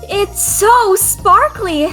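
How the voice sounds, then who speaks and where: A woman playing an excitable, eager young tourist in an audio drama, wide-eyed and enthusiastic. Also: extremely high pitch, very slow, soft background music, exaggerated voice. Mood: amazed. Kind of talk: audio drama character acting.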